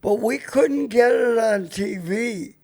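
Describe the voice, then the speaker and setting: An older American man hosts a casual chat show. His voice is notably high for a man, and he talks at a slow, unhurried pace. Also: dark tone. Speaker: talk show host.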